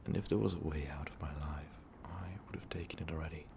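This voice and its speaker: A man playing an ancient, brooding vampire overlord in an intimate ASMR roleplay, speaking in a weary, halting, breathy whisper. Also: fairly even intonation, noisy background. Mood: weary, resigned. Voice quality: breathy, gravelly low whisper. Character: ancient, brooding male vampire overlord, tormented former rebel.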